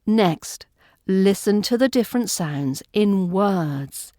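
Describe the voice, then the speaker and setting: Clear-spoken British accent coach woman. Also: medium pitch, animated, slow pace, warm tone, no echo, clean studio sound. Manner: clear, instructive, carefully enunciated. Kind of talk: scripted teaching narration.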